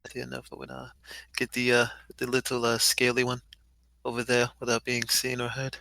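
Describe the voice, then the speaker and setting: A man playing a tabletop game, talking through tactics casually in a hesitant, halting way. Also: medium pitch, completely flat delivery, vocal fry, pushed and bright, no echo.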